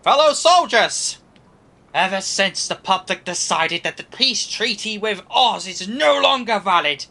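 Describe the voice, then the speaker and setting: A man playing a bombastic warmongering general who declaims to his troops in an amateur audio drama. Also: sits high, expressive, a little slow, gravelly, a little hiss or hum, heavily acted.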